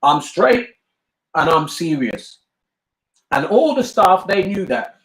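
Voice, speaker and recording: An older man with a British accent talks in an earnest, emphatic way, circling back to repeat his points. His voice sits slightly high for a man. The room gives it a noticeable echo. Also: sing-song, takes it slowly, a bit bright. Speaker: bishop and family talk host. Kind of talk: casual family discussion.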